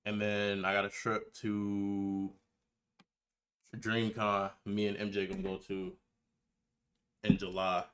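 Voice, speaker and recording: Young guy streamer, lowish but bright voice, chill slangy chatting to his viewers. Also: monotone, takes it slowly, pauses often, smooth. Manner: laid-back, slangy, talking to chat while setting up. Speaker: livestreamer, gamer and reaction video creator. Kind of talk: casual livestream chat.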